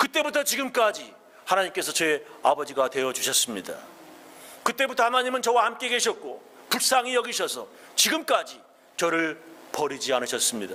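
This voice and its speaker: Speaking at a fairly quick pace with very even loudness, a man leaves long, frequent pauses against noticeable background noise. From South Korea, Chungcheong province, then Seoul. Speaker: pastor. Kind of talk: sermon.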